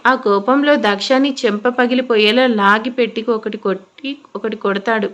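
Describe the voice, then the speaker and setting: A woman's voice: on the high side, steady tone, moderate pace, a bit bright. A woman narrating a dramatic family story for an audio storytelling channel.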